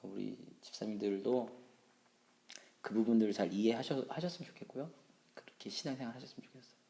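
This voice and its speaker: A man in his thirties, a junior pastor teaching a Bible study, animated and joking about himself. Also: fast, vocal fry, roomy sound. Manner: animated, acts out scolding and quoted voices with big pitch jumps; humorous, self-deprecating asides.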